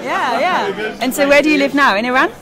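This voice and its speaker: Upbeat woman interviewer, fairly high voice. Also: animated, a little fast, a crowd in the background. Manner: upbeat, chatty, friendly greetings. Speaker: interviewer, host. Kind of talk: quick roving conference interviews. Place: outdoors at a busy conference.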